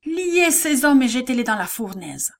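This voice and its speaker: A woman voicing a furious, proud male king who roars his orders loudly in a storybook reading. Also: sits high, very animated, moderate pace. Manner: loud and commanding.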